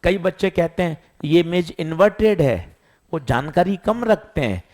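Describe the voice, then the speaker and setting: A man teaching physics, lively, asking students questions and answering them himself. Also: on the high side, unhurried. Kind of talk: classroom lecture.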